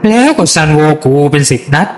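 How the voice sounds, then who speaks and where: A man's voice: a little high, lively intonation, quick pace, soft background music, close to an everyday voice. A man voicing a ruthless gang boss. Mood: menacing. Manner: coarse, snarling threats.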